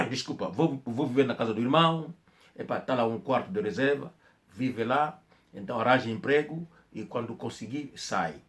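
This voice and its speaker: A man's voice: medium pitch, animated, moderate pace, pushed and bright. A man with an Angolan Portuguese accent giving an emphatic spoken commentary, with coughs and restarts. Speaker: channel host.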